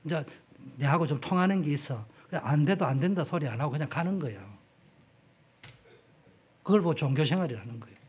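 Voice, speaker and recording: A man's voice: fairly high pitch, expressive, a little fast, pauses often, husky. A middle-aged male pastor with a Gyeongsang accent, preaching in a frank, conversational way and acting out the dialogue in his stories. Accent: Gyeongsang Korean. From South Korea, Gyeongsang region. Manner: frank, conversational, acts out dialogue with sudden jumps in loudness. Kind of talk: sermon.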